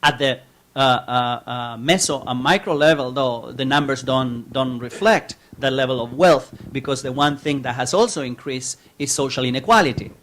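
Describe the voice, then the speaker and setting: A man from Chile asking a long question from the audience at an academic talk, speaking in a measured way with frequent fillers. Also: medium pitch, fairly bright tone.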